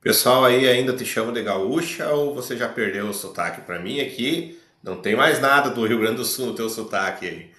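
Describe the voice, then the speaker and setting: A man, a radio host asking short, conversational interview questions that trail off quietly at the ends. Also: medium pitch, normal speed, hardly any pauses, echoey room.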